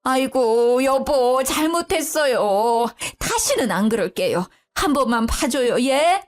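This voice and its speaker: Woman voicing a nagging mother-in-law for a storybook: high, whiny, swinging pitch. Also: expressive, slow, faint music behind. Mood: whining. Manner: sharp, nagging, then whiny pleading. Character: sharp-tongued middle-aged mother-in-law, protective of her son.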